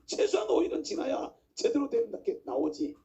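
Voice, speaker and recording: High, gravelly impassioned pastor. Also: male voice, wildly swooping pitch, moderate pace, dark tone. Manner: impassioned, emphatic preaching with rhetorical questions. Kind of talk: sermon. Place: church pulpit. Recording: dull lo-fi recording.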